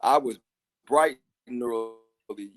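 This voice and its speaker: A man speaking over a remote call line that clips and distorts his words. His pitch sits in the ordinary middle for a man. He rambles in a loose radio interview, restarting sentences and leaning on "you know". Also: slow, dry recording, studio quality. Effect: clipping, distorted remote audio. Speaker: author being interviewed.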